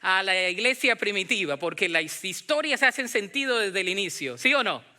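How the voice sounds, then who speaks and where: A man with a Latin American Spanish accent preaching as a pastor in a conversational, animated way, putting questions to his listeners. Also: high voice, moderate pace. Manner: animated, acts out imagined dialogue, questions the congregation. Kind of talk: conversational Bible-teaching sermon.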